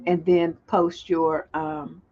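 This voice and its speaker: A woman with a lowish voice hosts a live call-in stream as a relationship coach. She talks in a loose, improvised way and reads viewers' comments aloud. The audio is dull and lo-fi, like a computer mic. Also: little pitch movement, slow. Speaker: relationship coach and show host.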